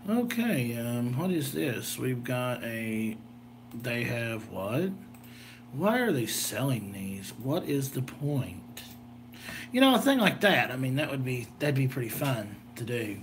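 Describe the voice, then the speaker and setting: American dude rambling on a casual vlog, slow talker, bit tired, faint hum behind him. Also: male voice, medium pitch, sing-song. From southern Illinois, United States. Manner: rambling, folksy, jokey. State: a little tired. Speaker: gadget video host.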